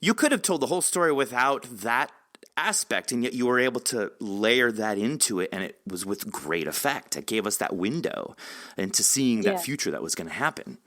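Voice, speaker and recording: A man hosting a casual interview, talking in a rambling, animated way and acting out his reactions. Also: mid-range voice, moderate pace. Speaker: podcast host interviewing an author.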